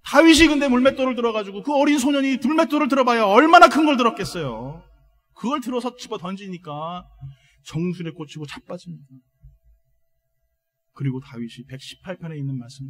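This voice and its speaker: Brief: high-pitched man preaching, emphatic and rousing, drawing replies from the congregation. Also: big pitch swings, fairly quick. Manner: emphatic, swings from soft to loud proclamations; calls for congregation responses. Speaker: pastor. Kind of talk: sermon.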